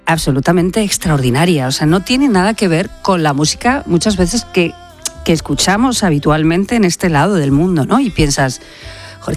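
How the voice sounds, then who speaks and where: A co-host in an interview, speaking with enthusiasm. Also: medium pitch. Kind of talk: conversational interview.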